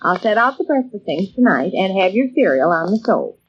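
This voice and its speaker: A woman's voice: mid-range voice, big pitch swings, brisk, husky. An American actress playing a bustling, mildly exasperated middle-aged housewife and mother in an old-time radio comedy serial, chatty and folksy. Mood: brisk, instructing. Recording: muffled, noisy old radio recording.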